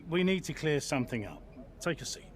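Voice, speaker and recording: An actor playing a firm, commanding racing team boss in a video game cutscene. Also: male voice, a little high, big pitch swings, brisk, slight background noise.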